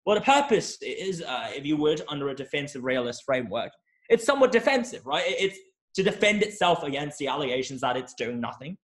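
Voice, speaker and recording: A young male academic giving an analytical interview answer, measured and hedging, often repeating words as he restarts. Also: mid-range voice, big pitch swings. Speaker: academic guest.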